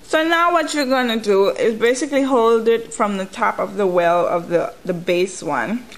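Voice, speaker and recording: In a relaxed hands-on tutorial, a gum-chewing woman explains her nail work step by step in a chatty way. She talks at a moderate pace in a mid-range voice, and the recording quality is low.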